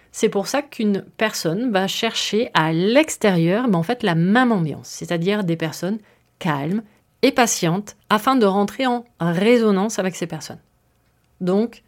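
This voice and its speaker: Give me a woman hosting an explanatory podcast, chatty and friendly, at a middling pitch. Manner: friendly and conversational, with frequent filler words. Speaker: podcast host.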